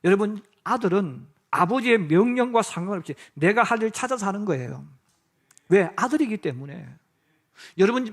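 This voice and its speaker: A male pastor preaching a sermon in a church. He keeps putting questions to the congregation and answering them himself. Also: sits high. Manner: addresses the listeners directly and often. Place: church sanctuary.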